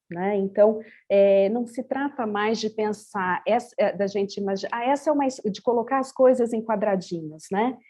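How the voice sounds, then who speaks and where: A thoughtful Brazilian woman with a mellow, mid-range voice and a Brazilian Portuguese accent answers a question in a panel discussion on bilingual education. She speaks with many hesitations and restarts.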